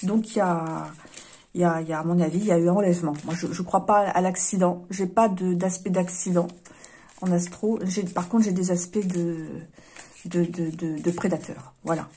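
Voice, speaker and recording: A woman giving a casual tarot card reading, hesitant and apologetic, often pausing and sighing. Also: on the low side, steady tone, mellow, husky. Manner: hesitant, apologetic, with frequent fillers and sighs.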